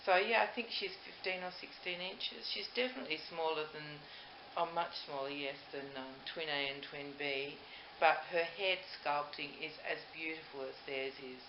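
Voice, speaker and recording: A woman's voice: low voice, moderate pace, few pauses. An older woman chats casually to camera as a doll maker, gushing and rambling, in a home recording. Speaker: doll maker and video host. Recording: roomy, muffled, noisy home recording.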